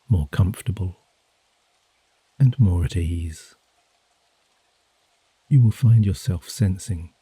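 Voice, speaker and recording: Very deep, dark, slow-speaking soft man. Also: slightly rough, no echo, poor audio. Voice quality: soft, hushed. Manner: soothing, measured, gently drawn-out phrasing. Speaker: hypnosis and meditation guide. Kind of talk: guided sleep hypnosis, soft-spoken. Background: gentle rain sounds.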